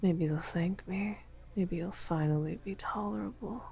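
A woman playing a dominant, taunting lover in an intimate audio roleplay, mostly in a husky whisper with a slow, commanding delivery. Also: on the low side, mellow. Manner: slow, teasing, commanding, profane.

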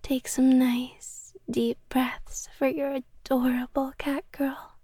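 Possessive cat girl, voiced by a woman; high, slow, close whispers, dry sound. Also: flat delivery, no room sound. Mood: doting whisper. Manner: soft whispering, close and intimate. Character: possessive young cat girl, sweetly obsessive. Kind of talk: ASMR roleplay.

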